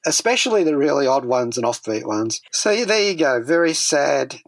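A male radio host with a mid-pitched voice, chatting about pop culture. He is wordy and whimsical, dropping in wry asides, and the studio sound is close and dry. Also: sing-song, normal speed, no room sound.

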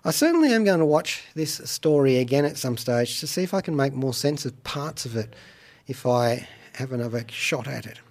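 A man presents chatty radio commentary in a medium-pitched voice. His delivery is wry and playful, with deliberate phrasing and little theatrical asides. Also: expressive, darkish tone. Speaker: radio show host and reviewer. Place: radio studio.

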